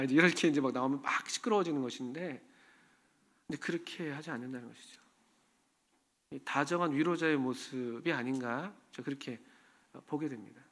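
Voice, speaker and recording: Korean pastor preaching in a conversational way. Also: male voice, fairly high pitch, fairly bright tone. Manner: conversational, asks the congregation questions. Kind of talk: sermon. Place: church.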